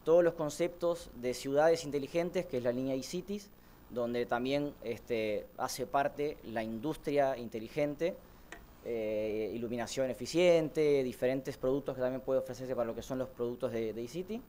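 A man from Brazil of Uruguayan family with a Uruguayan Spanish accent touched by Portuguese, giving a relaxed conference talk from a podium with many "este" fillers. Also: mid-range voice, moderate pace. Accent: Uruguayan Spanish with Brazilian influence. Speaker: conference speaker, electric mobility manager. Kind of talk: conference presentation. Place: large conference hall, speaking at a podium. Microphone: podium microphone, filmed from far.

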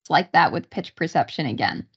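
Woman lecturing with lively, swooping pitch. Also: husky, muffled recording. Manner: halting, pausing mid-sentence. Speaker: university psychology lecturer. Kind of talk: online lecture, explanatory. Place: small room indoors, on a video call.

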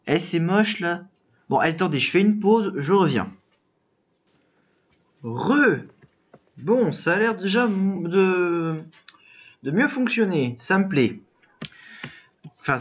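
A man's voice: a little high, highs cut off. A man giving casual let's play commentary, breaking into exclamations and frustrated outbursts at a lagging game.

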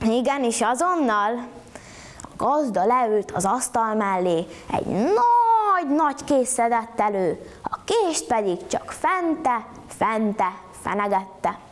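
Woman storyteller, bright higher voice, lively rhythmic folk-tale telling, swings in pitch. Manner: animated, rhythmic rhyming delivery. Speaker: storytelling contestant.

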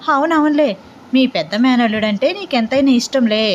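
A woman's voice: high voice, moderate pace, highs cut off, slight background noise, natural voice. A woman voicing a chatty, playful young man who complains and teases.

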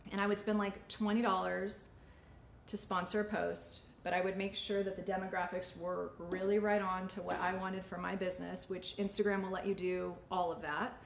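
A woman in her forties who owns a salon talks casually and chattily as she teaches a demonstration, her medium-pitched, gravelly voice holding a level tone at normal speed. The indoor white-backdrop studio is echoey, with faint ambient noise.

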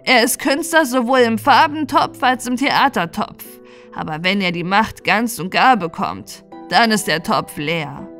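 A woman's voice: medium pitch, expressive, unhurried, fairly bright tone. Bossy old moor witch played by a female storyteller, chatty and insistent, fairy-tale audiobook with music underneath. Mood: urgent, chattering.

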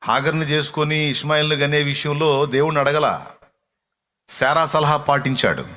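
A man preaching a sermon as a pastor, talking in a conversational way full of rhetorical questions, dropping into soft low asides and rising into pleading exclamations. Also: normal speed.

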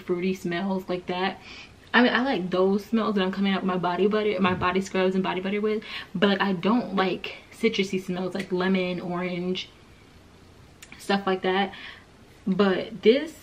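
A woman's voice: mid-range voice, a little hiss or hum. A woman vlogging in a casual, rambling chat, a bit out of breath. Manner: chatty, rambling, quick bursts.

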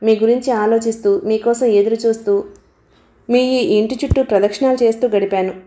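A woman reads the part of an infatuated young student, eager and pleading, in a mellow, fairly high voice. He pours out his devotion in an audiobook-novel scene. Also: fairly even intonation, a little fast, lightly acted. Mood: earnest.

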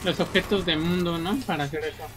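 A speaker joining a casual game stream as co-player, chatting in a lively, expressive way. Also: mid-range voice, quick pace, noisy background. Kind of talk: casual gameplay chat.

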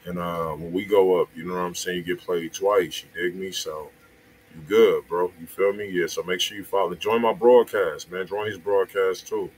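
Low-voiced American man livestreaming, noisy background. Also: steady tone, moderate pace. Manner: slangy, conversational, addressing viewers directly. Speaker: music review livestream host. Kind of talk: casual livestream chat. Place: indoors, small room. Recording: noisy livestream room sound.

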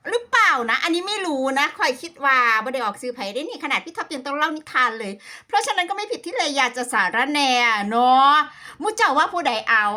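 Woman, Isan Thai accent, high pitch, bright tone, playful casual gossip vlogger. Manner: sassy, playful, mixing Isan dialect with Thai. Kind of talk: casual gossipy reaction commentary.

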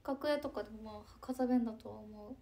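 Young woman, 20s, slightly high voice, casual live-stream chatter with soft asides. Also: fast, creaky. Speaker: idol livestreamer reading chat comments.

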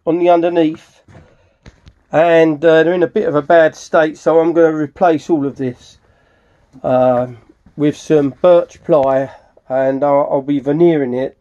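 A middle-aged British man with a higher voice gives an unhurried, mellow, casual video walkthrough of his furniture restoration project. He speaks from behind a handheld camera in a cluttered indoor wooden workshop, rambling informally and correcting himself, and the recording sounds muffled.

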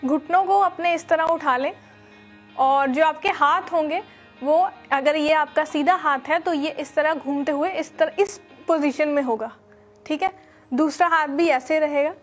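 A young woman with a high voice leads a yoga lesson in a studio. She gives calm, step-by-step instructions and often pauses on fillers. Faint music plays behind her lapel-mic sound. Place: studio with red floor and dark curtains.

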